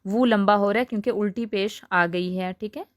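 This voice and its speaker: A woman teaching a recitation lesson, patiently explaining rules and slowly drawing out example sounds. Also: mid-range voice, steady tone, no room sound, studio quality. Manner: patient, repeats "theek hai" to check understanding.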